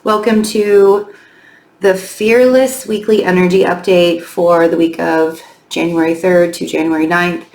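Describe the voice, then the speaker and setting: A woman giving a chatty weekly astrology and tarot update, her voice slightly hoarse as she loses it, with frequent ums. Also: fairly low pitch, fairly even intonation, a little slow, a little mellow, echoey room. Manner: chatty, with many ums and loose restarts.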